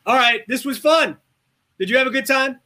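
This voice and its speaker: A man's voice: very high-pitched, normal speed, pushed and bright. A man hosting a sports podcast in a casual, chatty style.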